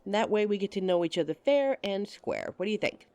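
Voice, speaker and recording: A woman's voice: mid-range voice, expressive, a little fast, a little mellow, no room sound, close to an everyday voice. A woman playing a giggly, teasing date. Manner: teasing and giggly, laughs often. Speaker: voice actress in an audio roleplay. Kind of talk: audio roleplay addressing the listener as a date.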